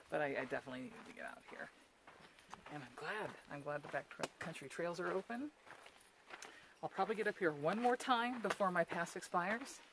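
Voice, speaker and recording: Talking to her camera on a mountain trail and afterward at home, this woman keeps her vlog chat casual, often laughing and teasing herself. She has a fairly low voice, speaks at normal speed with long pauses, and there's background noise.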